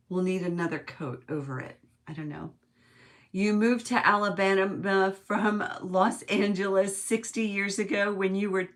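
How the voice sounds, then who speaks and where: A woman's voice: mid-range voice, fairly bright tone. A woman from the United States hosting a live craft stream, chatting casually as she works, musing aloud and chuckling often. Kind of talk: casual craft-along chat, reading viewer comments.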